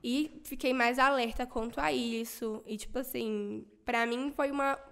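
A young woman from Minas Gerais with a Brazilian Portuguese accent, a podcast guest telling a story in a lively, animated way. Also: fairly high pitch, a little slow, smooth. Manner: animated, laughs while telling a scary story. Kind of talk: casual storytelling.

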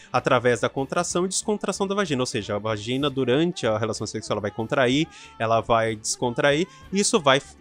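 A Brazilian man talks through his podcast in a loose, animated monologue, often checking in with the listener. His voice sits in an ordinary middle pitch. Faint music plays quietly behind him. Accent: Brazilian Portuguese. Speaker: sex coach and podcast host.

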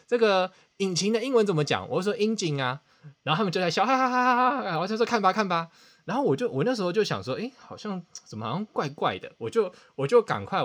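A man, hosting a podcast and telling a self-mocking story with dramatic outbursts. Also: fairly high pitch. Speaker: podcast host. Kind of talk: casual storytelling chat.

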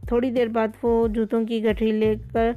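A woman reading a children's story aloud in a calm, steady way. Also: fairly high pitch, phone-quality sound. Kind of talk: storybook narration.

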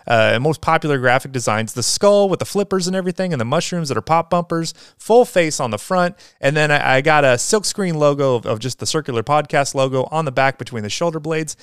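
A man's voice: a little high, fairly bright tone, clean tone, dry recording, studio quality. A man hosting a casual solo podcast, talking in an upbeat, rambling way with lots of fillers and restarts. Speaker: podcast host.

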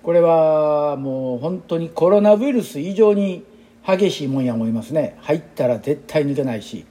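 A man's voice: on the high side, expressive, moderate pace, dark tone. Chatty Kansai man in his sixties. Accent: Kansai Japanese. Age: 60s. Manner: rambling, chatty and reflective. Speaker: exercise instructor. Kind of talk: casual spoken monologue.

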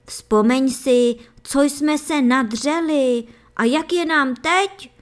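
A woman reading plays a poor laborer husband in a storybook fairy tale. He scolds and reproaches, and he raises his voice. The voice sits rather high. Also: close to an everyday voice. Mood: scolding.

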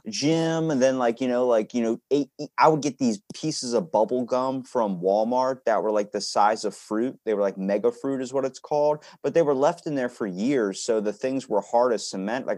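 A man hosting a casual interview podcast, rambling freely, swearing often and getting animated when he rants. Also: mid-range voice, brisk, few pauses, dry recording, clean studio sound. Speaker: podcast host.

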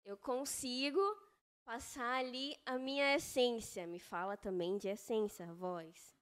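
A woman speaking as a guest on a Christian podcast, earnest and reflective, measured in her phrasing. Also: on the high side, fairly even intonation, smooth. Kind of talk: faith-based podcast conversation.

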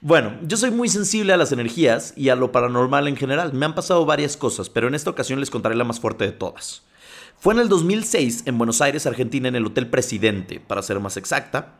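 A man's voice: medium pitch, animated, fast, gravelly. A man hosting a podcast in casual chat, reading listener stories aloud, often stumbling and wandering off into his own comments. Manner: digressive, stumbles while reading and comments as he goes. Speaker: podcast host.

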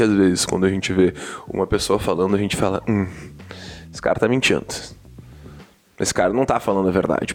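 A man's voice: lowish voice, vocal fry, darkish tone. A man talking earnestly as a guest on a podcast, checking in with the listener as he makes his points. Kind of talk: conversational podcast talk.

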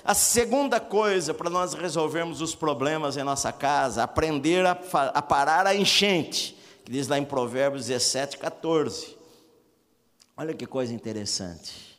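A man's voice: fairly high pitch, lively intonation, measured pace, a bit bright, in a large hall. A man preaching a sermon on marriage, earnest and repetitive, with many filler sounds between phrases. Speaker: pastor.

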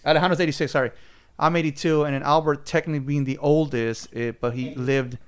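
A man's voice: on the high side, steady tone, quick pace, smooth. A man in his late thirties hosting a podcast, in laid-back casual chat with his brothers. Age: late 30s. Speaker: podcast host.

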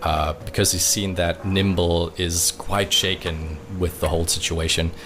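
A man's voice: sits low, flat delivery, unhurried, noisy background. A man casually improvising descriptive third-person narration of his character as a player in a roleplay podcast.

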